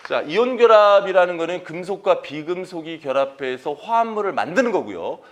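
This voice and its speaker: A man's voice: high voice, animated, fairly quick. A man giving an exam-prep chemistry lecture, asking students questions and answering them himself, repeating key terms.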